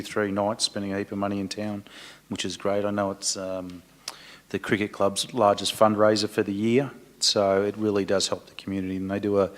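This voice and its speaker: A male councillor giving brief, plain remarks at a council meeting, halting now and then. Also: low voice.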